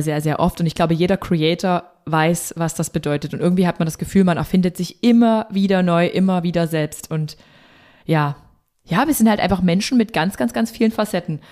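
A woman hosting a podcast interview from a studio, asking questions in a lively, curious, conversational way. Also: fairly low pitch. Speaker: podcast host. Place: recording studio.

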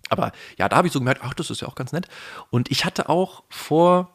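A man from the Palatinate region of Germany with a faint Palatinate German accent, a voice actor speaking thoughtfully in a relaxed interview, pausing often with fillers. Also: a little high. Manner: thoughtful, hesitant, many fillers. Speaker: guest, voice actor. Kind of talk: casual conversational interview.

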